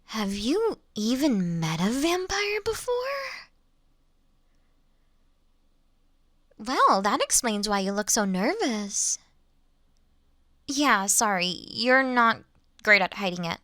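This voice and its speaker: A woman playing a polite, reassuring vampire who looks like a child, speaking gently to the listener in an audio roleplay. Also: medium pitch, sing-song, slow pace, no echo, studio quality, full character voice. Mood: friendly, wry. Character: childlike-looking ancient female vampire, polite, reassuring, mildly wry.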